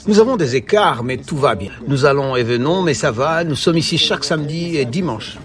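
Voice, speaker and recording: A man reading a translation voice-over in a relaxed, slow manner. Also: fairly high pitch, music in the background.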